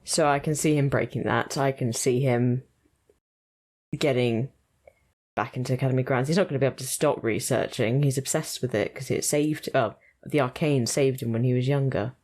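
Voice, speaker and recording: A young woman giving casual, chatty reaction commentary while watching an episode, thinking aloud in quick asides. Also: rumbling low, fairly even intonation, darkish tone. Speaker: reaction video host.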